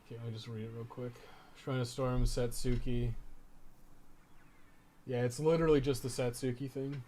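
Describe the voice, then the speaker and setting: A man with a mid-pitched voice talks casually through live gameplay as a streamer. He rambles and thinks out loud, swearing freely. Noticeable noise and ambience sit behind his voice. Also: little pitch movement, moderate pace. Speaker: video game streamer and guide writer. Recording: clearly noisy background.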